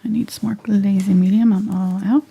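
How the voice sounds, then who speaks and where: A woman's voice: mid-range voice, fairly even intonation, normal speed, vocal fry, mellow, slightly rough. A woman teaching a live painting tutorial, half-whispering while she paints and losing her voice. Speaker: painting instructor.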